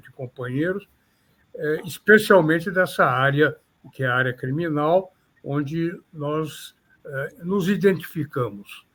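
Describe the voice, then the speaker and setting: An older man speaks with a São Paulo Portuguese accent in slow, formal, somewhat florid sentences. He is a criminal defense lawyer answering interview questions thoughtfully. His voice sits slightly high for a man. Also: fairly bright tone. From São Paulo, Brazil.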